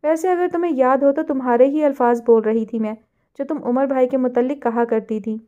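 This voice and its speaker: A woman's voice: high voice, dark tone, dull audio, lightly acted. A woman voicing a playful, mocking young woman friend in a storybook reading. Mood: teasing. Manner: teasing, mocking.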